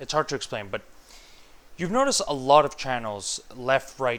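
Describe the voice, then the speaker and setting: This man's pitch swings very widely. He talks at a moderate pace. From Iran. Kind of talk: casual talk to camera.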